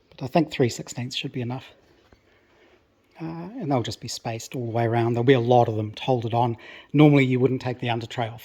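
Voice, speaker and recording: A man with a mid-pitched, slightly hoarse voice talks through a job in his home workshop. He sounds a little breathless at times and explains things in a relaxed, unhurried way, full of ums and restarts. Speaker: car restoration vlogger. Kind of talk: casual workshop walkthrough.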